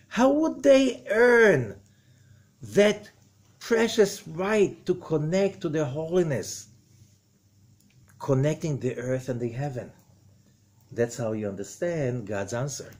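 An older rabbi teaches in a husky, breathy voice, swinging between soft and emphatic lines as he acts out quotes. He sits indoors in a wood-panelled room, recorded by a camera across the table. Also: fairly high pitch, slow, pauses often. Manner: expressive, gestures broadly, quotes figures dramatically. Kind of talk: animated spoken lesson.

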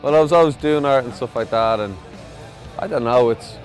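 A medium-pitched Irish voice speaks fairly quickly, with some chatter audible behind it as well as a music bed. The speaker, a visiting mural artist, is easygoing in the interview, rambling slightly and using fillers.

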